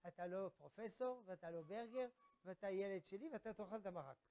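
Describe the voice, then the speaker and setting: A man's voice: high voice, warm tone. A man playing a bossy doting Jewish mother. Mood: coaxing. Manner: coaxing, insistent.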